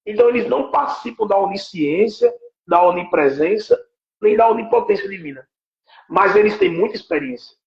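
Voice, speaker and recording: High-voiced man in an echoey room. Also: lively intonation, brisk. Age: 40s. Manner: explanatory, keeps checking with "right?". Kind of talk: teaching talk on spiritual warfare. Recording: echoey, dull lo-fi live stream.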